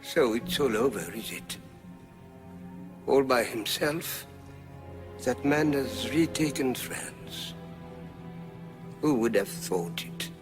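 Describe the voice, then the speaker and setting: A man's voice: medium pitch, animated, slow pace, pauses often, in a large hall. An actor playing a weary, idle elderly king who speaks in a languid, dry and ironic way, in a film scene with music behind. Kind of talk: film drama acting.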